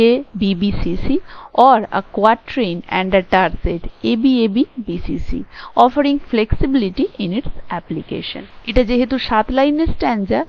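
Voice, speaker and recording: A woman teacher giving a lecture, reading English passages slowly and then explaining them in a conversational way. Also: on the high side. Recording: dull lo-fi recording.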